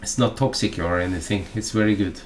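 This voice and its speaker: A man from Norway with a Norwegian accent, narrating a fly-tying tutorial in a halting, chatty way full of fillers and asides. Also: lowish voice, slight background noise.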